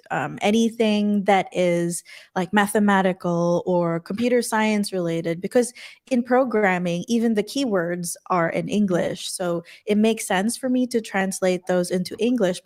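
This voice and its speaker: A woman from the Philippines, Tagalog her first language, hosts an online conversation in a relaxed, chatty way. Her voice sits at an ordinary middle pitch, and she laughs easily as she goes. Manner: relaxed, laughs often, reads viewer comments. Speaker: podcast host. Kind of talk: casual interview chat.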